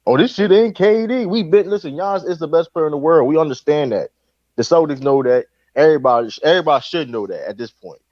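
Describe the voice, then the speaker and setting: A man arguing basketball on a live call-in show, animated and profane, talking over the others. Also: fairly high pitch, quick pace, no room sound, highs cut off. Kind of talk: heated sports debate.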